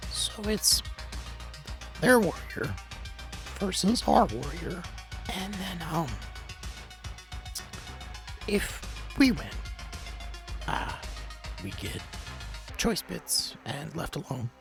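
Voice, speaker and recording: A man voicing a careful male go-between in a tabletop game, haltingly relaying terms in a thin, breathy voice. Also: high voice, very animated, a bit bright, faint music behind, voice pushed up, heavily acted. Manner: halting, piecing sentences together.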